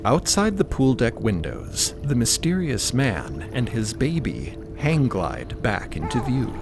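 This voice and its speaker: Slow, expressive male storyteller over music. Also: medium pitch. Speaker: narrator. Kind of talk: theatrical scripted fantasy narration.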